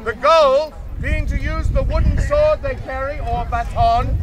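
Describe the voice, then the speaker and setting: A man's voice: very high voice, fairly even intonation, unhurried. A man playing a pompous joust herald, declaiming grandly and formally in olde renaissance fair speech. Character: pompous male herald announcing a knights' joust. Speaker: joust announcer. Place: outdoor fair arena. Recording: outdoor crowd noise.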